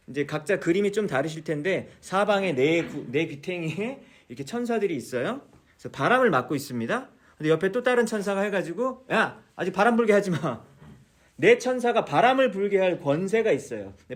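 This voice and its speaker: A man teaching a church Bible study, explaining patiently, repeating key words and asking his listeners many questions. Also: a little high. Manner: mixes English words into explanations.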